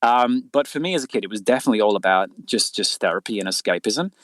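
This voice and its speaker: Low-voiced man, hesitant interview guest. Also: lively intonation, quick pace, no echo. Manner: hesitant, self-effacing, repeats words. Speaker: interviewed guest, fiction writer. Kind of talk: casual interview chat.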